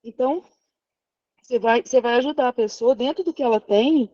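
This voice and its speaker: A woman psychologist shares her view in a casual discussion, polite and gently hedging. Her voice is mellow and fairly high, heard dry and muffled, like over a lo-fi call. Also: a little fast, dry recording.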